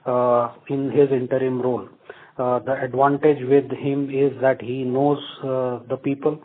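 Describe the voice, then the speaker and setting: A man with an Indian accent, an executive speaking on an earnings call in a halting, repetitive way with many fillers. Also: mid-range voice, level tone. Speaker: company executive. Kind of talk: earnings call remarks and answers. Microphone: phone or conference line. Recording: tinny phone conference line.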